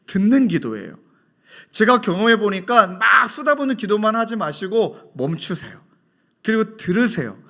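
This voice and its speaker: A middle-aged man preaching a sermon as pastor in a church, telling stories lively and dropping to soft, hushed tones when quoting. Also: high-pitched. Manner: animated storytelling, drops to soft hushed tones for quoted dialogue. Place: church sanctuary.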